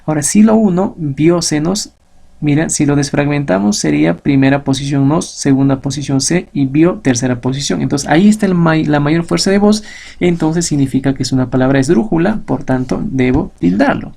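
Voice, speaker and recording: A male teacher gives a recorded grammar lesson. His voice is husky and gravelly, sitting a little high for a man. He explains step by step, posing questions to himself and answering them. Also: normal speed, dark tone.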